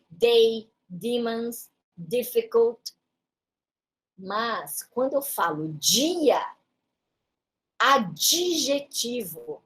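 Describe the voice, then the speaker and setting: A woman teaching a lesson in a São Paulo Brazilian Portuguese accent, her voice sitting somewhat high. She talks slowly and patiently, going through examples one at a time. She often stops to check in with short tag questions. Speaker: English teacher. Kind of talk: classroom-style lesson explanation.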